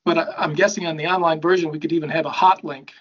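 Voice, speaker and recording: A man speaking in a formal bargaining meeting over a video call, measured and procedural. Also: on the high side, steady tone, fairly bright tone, lo-fi sound. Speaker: university bargaining representative.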